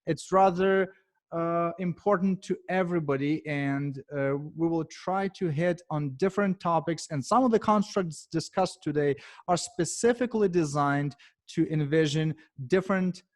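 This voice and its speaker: Ukrainian-accented man giving a talk. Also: a little high. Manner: measured, with frequent pauses and filler sounds. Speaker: conference speaker and author. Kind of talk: presentation to a professional meetup.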